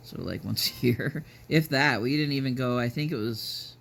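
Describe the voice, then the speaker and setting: Halting, gravelly middle-aged man chatting casually. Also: medium pitch, a bit bright. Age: 50s. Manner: halting, musing, rambling. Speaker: vlogger. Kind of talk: casual chat. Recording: noticeable background noise.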